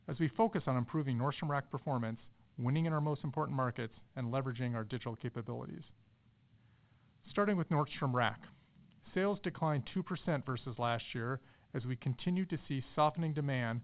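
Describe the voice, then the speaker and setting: A man reading a scripted earnings presentation as a company executive, in a formal, measured delivery over a conference call line. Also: medium pitch. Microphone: telephone conference call. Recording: tinny, narrow phone conference line.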